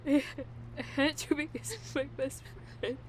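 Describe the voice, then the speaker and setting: Woman acting very high-voiced, dying, tearful reaper. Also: steady tone, slight background noise, lightly acted. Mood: tearful, tender. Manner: tearful, halting, strained speech with stammered repeats. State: crying, in pain. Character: dying female reaper demigod, wounded, devoted, wry. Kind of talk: audio drama acting.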